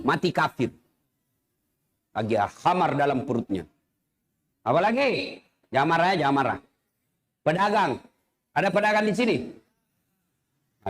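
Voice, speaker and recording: A middle-aged man preaching a humorous sermon, telling jokes and acting out characters with big swings in pitch.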